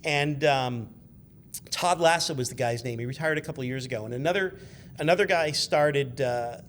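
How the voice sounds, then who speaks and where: A man in his fifties chatting casually as a guest, telling animated, rambling, sweary anecdotes as a car journalist. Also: medium pitch, moderate pace, a little hiss or hum. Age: 50s.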